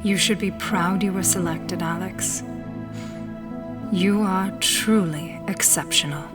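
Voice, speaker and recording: An actress playing a proud, scheming senior official in a science fiction audio drama, formal and poised. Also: female voice, on the low side, slow. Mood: smooth praise. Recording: long reverberant hall, music behind.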